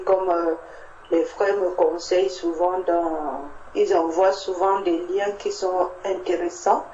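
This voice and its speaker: Female church member, informal testimony, slow halting delivery, muffled echoey recording. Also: lowish voice, mellow, slight background noise. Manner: halting, repetitive, searching for words. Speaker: church member sharing at a Bible meeting.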